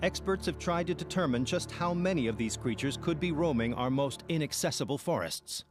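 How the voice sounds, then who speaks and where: A man reading scripted nature-documentary narration in a dramatic, measured storytelling way. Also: fairly high pitch, lively intonation. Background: music bed.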